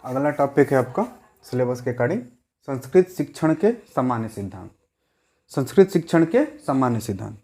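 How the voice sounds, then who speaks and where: A man's voice: mid-range voice, big pitch swings, normal speed, warm tone. A young adult male teacher giving an exam-prep lecture, repeating key words and putting rhetorical questions to his students.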